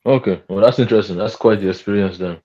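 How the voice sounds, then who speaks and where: Deep mellow man. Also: quick pace. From Nigeria. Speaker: panel guest. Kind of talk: casual video call chat. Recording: lo-fi call audio.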